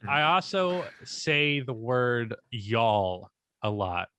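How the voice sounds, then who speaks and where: A young man co-hosting a casual podcast, speaking in an even, unexpressive tone and swearing casually. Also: mid-range voice, drawn-out words, smooth. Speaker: podcast co-host and YouTuber.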